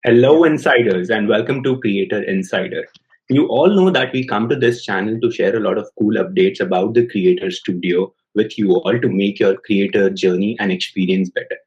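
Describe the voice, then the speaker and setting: A young man hosts an interview in an upbeat, eager way, now and then mixing in Hindi. His voice sits fairly low for a man. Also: normal speed, a little mellow, lo-fi sound. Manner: upbeat, switches between English and Hindi. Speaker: host, YouTube program manager. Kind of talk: interview hosting, casual and enthusiastic.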